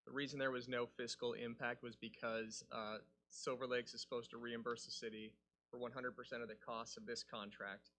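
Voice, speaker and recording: City staff guy explaining stuff at a meeting, forceful bright voice, pretty flat melody. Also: mid-range voice, a little fast, a little hiss or hum. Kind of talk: explanatory answers at a public meeting.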